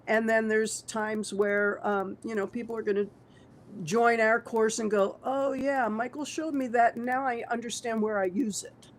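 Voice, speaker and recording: A woman music teacher with a froggy, hoarse voice from a cold, chatting easygoingly on a video call. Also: a little high, steady tone, moderate pace. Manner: easygoing, thinks aloud with fillers. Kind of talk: casual roundtable chat.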